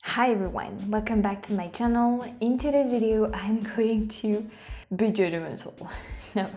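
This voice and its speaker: A woman's voice: medium pitch, moderate pace, dark tone. A young woman with a French accent, a YouTuber chatting casually to camera from a small room, often restarting and dropping into whispers. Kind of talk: casual vlog chat.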